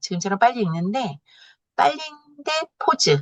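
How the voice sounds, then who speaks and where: Her voice animated and somewhat breathy, a woman of medium pitch speaks at a fairly slow pace with very wide pitch swings, the sound dry and close with no echo. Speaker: study group leader teaching anatomy. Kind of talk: study session lecture.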